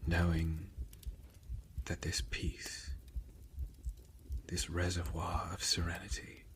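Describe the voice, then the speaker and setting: Soft whispering man, slow and even. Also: deep voice. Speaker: comforting ASMR speaker. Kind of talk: ASMR.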